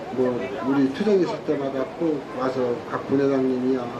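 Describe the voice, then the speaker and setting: A man talks at a moderate pace and a medium pitch. Noticeable background noise and audible room echo surround him. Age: 60s. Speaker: union branch leader. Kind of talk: public rally talk. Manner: halting.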